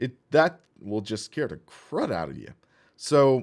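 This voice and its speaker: This is a man with very wide pitch swings. The recording is very clean, with a silent background. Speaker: sim racing streamer. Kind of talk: live gameplay commentary. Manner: casual, conversational.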